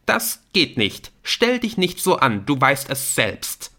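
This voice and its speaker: A man's voice: mid-range voice, very animated, takes it slowly, sharp tone, voice pushed up, exaggerated voice. A man voicing a smug, aggressive schoolboy who sneers at his classmates in an audiobook. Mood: sneering. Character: smug bullying schoolboy, short and pudgy.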